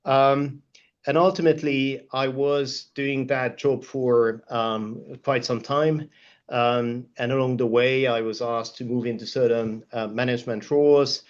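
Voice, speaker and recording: Even-toned Hungarian man, muffled sound. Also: medium pitch. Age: middle-aged. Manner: hesitant, measured, formal phrasing. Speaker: panelist, law firm partner. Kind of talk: panel discussion, career account.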